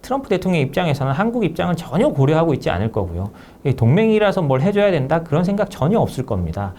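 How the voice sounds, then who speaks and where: A man, an author being interviewed as a guest, giving measured and emphatic analytical explanations. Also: fairly high pitch, big pitch swings, warm tone, a little hiss or hum.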